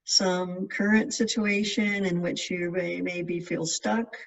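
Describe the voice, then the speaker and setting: A meditation guide with a mid-pitched voice leads a practice in gentle, measured phrases with space between them. The recording is muffled and sounds as if the mic is some way off. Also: steady tone, gravelly. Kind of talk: guided meditation, scripted instruction. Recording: distant mic, dull lo-fi sound.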